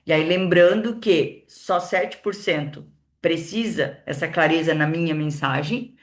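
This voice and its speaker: Brazilian woman coach, motivational talk, calm and steady but swings loud and soft for emphasis. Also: fairly low pitch. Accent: Brazilian Portuguese. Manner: expressive, shifts between loud and soft on purpose; speaks with calm, steady explanation between emphatic lines. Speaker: communication mentor and coach. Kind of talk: motivational talk to a women's group.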